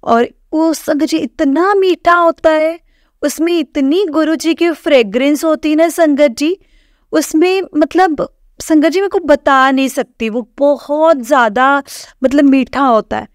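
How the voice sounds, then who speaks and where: A woman sharing a devotional testimony with a congregation, earnest and halting, with many fillers and restarts. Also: sits high, dry recording, clean studio sound. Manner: earnest, keeps addressing listeners as "sangat ji".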